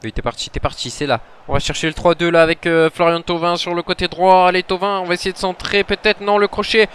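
A man commentating his own football video game match, muttering between plays and shouting when goals go in. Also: sits high, fairly even intonation, fast talker, clear, resonant tone. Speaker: gaming commentator.

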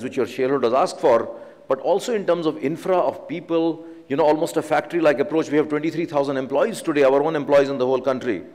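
A man in his forties with an Indian English accent delivers an earnest business keynote, pressing his points and filling gaps with "you know". His voice sits a little high. He speaks into a podium microphone, and the sound rings in a large conference hall with a long reverb. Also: a little mellow. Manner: earnest, emphatic business advice, frequent "you know" fillers. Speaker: company chief executive speaking at a conference.

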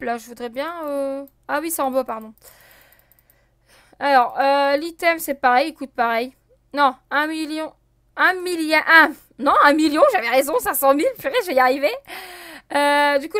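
A woman's voice: high voice, no echo, studio quality. A woman casually commenting on her gameplay as a let's play host, thinking aloud with many fillers and talking to her viewers. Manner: counts and checks items out loud.

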